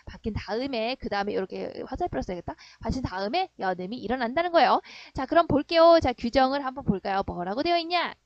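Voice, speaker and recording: A woman teacher with a high voice runs an online grammar lesson. She keeps asking her students questions and answering them herself in a lively way. The sound is close and dry, a little dull. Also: fast, no room sound. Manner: animated, quizzing students with rhetorical questions.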